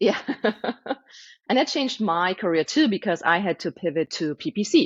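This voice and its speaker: A woman with a German accent talks with lively intonation. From Germany. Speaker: marketing executive. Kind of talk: interview.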